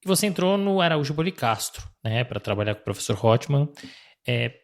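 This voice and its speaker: Homem apresentador de podcast. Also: male voice, mid-range voice, sing-song, fairly quick, gravelly. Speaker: podcast host. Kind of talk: casual interview conversation.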